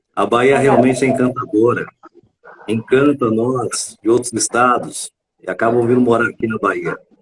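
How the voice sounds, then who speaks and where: This man's voice sits at a medium pitch, moving at a moderate pace with fairly even intonation. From Brazil, São Paulo. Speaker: show host. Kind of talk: interview.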